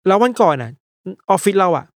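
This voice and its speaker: A man chats on a podcast with a high, quick delivery. He drops into the voices of the people in his stories and swears casually. His voice sounds close and dry, with no room around it. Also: no room sound. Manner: animated storyteller, acts out quoted callers. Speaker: podcast co-host. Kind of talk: casual chat.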